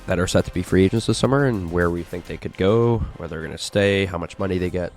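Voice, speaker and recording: A man hosting a casual sports chat, stuffy from a cold, relaxed and full of fillers. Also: sits low, fast talker, faint music behind. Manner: laid-back, filler-heavy. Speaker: podcast host.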